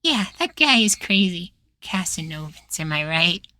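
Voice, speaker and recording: A man voicing a cheerful, naive young boywife in an intimate ASMR roleplay, soft, doting and chatty. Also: high voice, big pitch swings, unhurried, heavily acted. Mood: musing.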